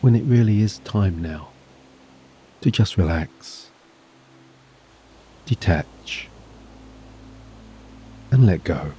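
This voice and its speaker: A man narrating a scripted guided sleep hypnosis in a soothing, gentle, measured voice with long pauses. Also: sits low, lively intonation, slight background noise. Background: soft relaxing music and gentle waves.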